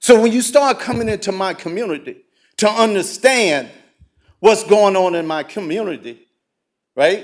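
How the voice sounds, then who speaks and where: Pitched high for a man, his voice has lively intonation and big swings in loudness at a moderate pace, broken by long, frequent pauses. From US South, North Carolina. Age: 60s. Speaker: school board member. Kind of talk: public meeting speech. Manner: impassioned; repetitive stammering.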